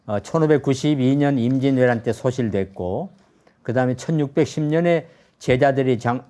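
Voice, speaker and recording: A man hosting an interview, asking questions in a measured way and listing historical dates carefully. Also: medium pitch, mellow. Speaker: interview host.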